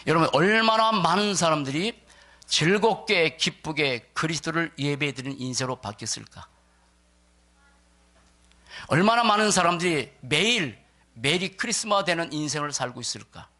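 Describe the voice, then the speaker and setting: A man preaching to a congregation as a pastor, stressing key words in deliberate phrases and putting questions to his listeners. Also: fairly high pitch, animated, sharp tone. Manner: puts rhetorical questions to listeners. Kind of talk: church sermon to a congregation.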